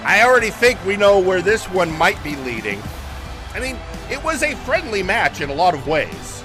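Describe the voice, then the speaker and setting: A man doing live play-by-play as a wrestling commentator, with exclamatory, drawn-out calls. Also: high voice, sing-song. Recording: loud crowd and music behind. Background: crowd noise, music, ring thuds.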